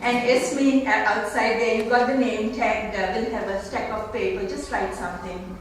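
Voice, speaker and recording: A woman in her sixties giving an informal, unscripted thank-you speech, halting as she searches for words. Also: a little high, fairly even intonation. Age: 60s. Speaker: author thanking guests at her book launch. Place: large roomy indoor gathering, mic at a distance. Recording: echoey hall, distant mic, faint noise.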